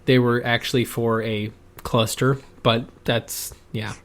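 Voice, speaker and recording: A man's voice: medium pitch, flat delivery, unhurried. A man hosting a casual gaming podcast, rambling through stories and laughing often. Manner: rambling, laughs often, acts out quoted people. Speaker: podcast host.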